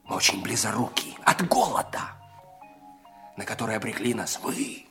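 An actor in an audio play voicing a cunning, embittered spy with a deliberate, theatrical delivery that moves between hushed and emphatic. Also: male voice, on the low side, expressive. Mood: bitter, menacing. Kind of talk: dramatic audio play acting. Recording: music under the voice. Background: music.

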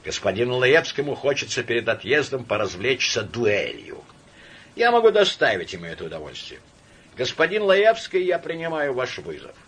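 A man voicing a cold, calm and sardonic male zoologist who speaks in a measured, cool way. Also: mid-range voice, slightly rough, voice pushed up, heavily acted.

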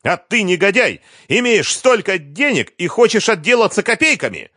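A shrill, furious ex-wife in an audiobook, her voice pushed far up and swinging wildly as she screams accusations. The reading sounds dry and close, with no room around it. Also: big pitch swings, moderate pace, pushed and bright, breathy edge, dry recording, exaggerated voice. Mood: screaming fury. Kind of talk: audiobook character voice.

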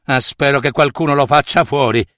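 A man voicing an excitable, boastful male white coypu who talks breathlessly and indignantly. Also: medium pitch, fairly quick, dry recording, studio quality, close to an everyday voice. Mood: agitated.

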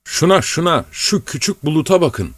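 A man's voice: on the high side, animated, normal speed, no room sound, pitched above the performer's own voice. Man voicing a fretful old-world coachman. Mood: worried. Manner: anxious, pleading, raised voice. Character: worried male peasant coachman, superstitious and stubborn.

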